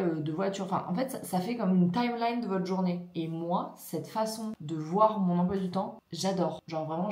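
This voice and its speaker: A woman's voice: lowish voice, mellow. A woman vlogging casually to camera, chatty and enthusiastic, filming at home and in the office. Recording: roomy echo.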